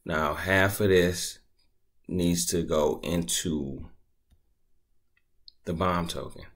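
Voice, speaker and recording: A man casually talking through a screen-recorded tutorial at his computer, laid-back and thinking out loud as he goes. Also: low voice, drawn-out words. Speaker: crypto tutorial creator.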